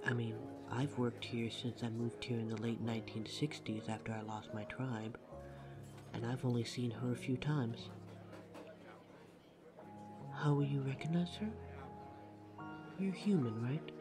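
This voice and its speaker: A man's voice: medium pitch, steady tone, a little slow, long pauses, natural voice. Snide, courteous vampire barista played by a man, music behind. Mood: explaining, polite. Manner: polite, dry, teasing. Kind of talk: audio roleplay acting.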